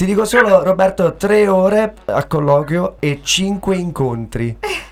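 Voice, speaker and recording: A man talks with lively intonation. Noticeable background noise is present. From Lazio, Italy (Cassino). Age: 30s. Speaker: radio guest, worker. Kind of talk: casual radio interview. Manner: animated, emphatic.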